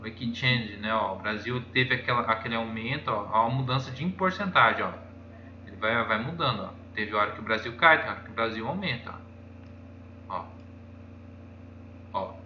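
A man's voice: lowish voice, normal speed, long pauses. A man with a Brazilian accent chatting casually while walking through charts on screen, rambling and pointing things out over and over. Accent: Brazilian Portuguese. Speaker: YouTuber. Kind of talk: casual screen-share commentary. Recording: echoey room, dull lo-fi sound, faint noise.

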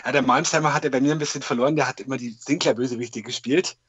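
Mid-pitched man in casual discussion. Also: steady tone, fast talker, a bit bright, muffled recording, a little hiss or hum. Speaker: podcast panelist reviewing audio dramas. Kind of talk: casual chat.

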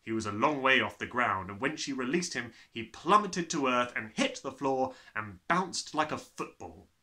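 A man's voice: mid-range voice, normal speed. A young man reading a children's story aloud as a theatrical, dramatic narrator. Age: young adult. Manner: theatrical, animated.

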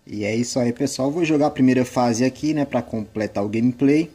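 A man's voice: medium pitch, fairly quick, dark tone, slightly rough. A man with a Brazilian accent giving casual gameplay commentary as a channel host. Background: game music.

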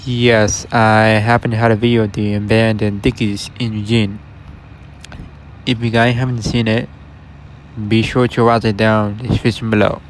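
A man's voice: on the low side, level tone, normal speed. A man narrating a casual walkthrough of a closed restaurant, speaking matter-of-factly and addressing his viewers directly. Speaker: vlogger exploring closed stores. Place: outdoors at a shopping center storefront. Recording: faint outdoor traffic noise.

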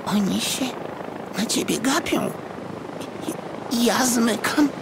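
A man's voice: very high-pitched, expressive, takes it slowly, vocal fry, noisy background, pitched above the performer's own voice, exaggerated voice. A man voicing a cowardly little rodent sidekick in an audiobook, nervous, whiny and stammering. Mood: uneasy. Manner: stammering, jittery. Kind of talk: audiobook character voice.

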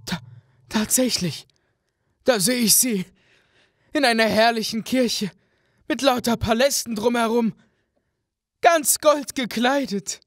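A man's voice: very high-pitched, takes it slowly, pauses often, fairly bright tone, no room sound, studio quality, voice pushed up, full character voice. A man playing a timid, fearful fisherman who pleads anxiously in a radio play. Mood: pleading.

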